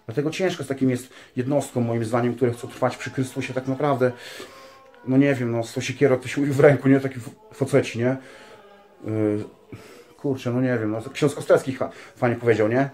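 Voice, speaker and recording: A man's voice: mid-range voice, fairly even intonation, brisk, a little mellow, faint music behind. A man speaking earnestly in a casual spiritual monologue, rambling with many fillers and tag questions and calling his listeners dear ones. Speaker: religious vlogger.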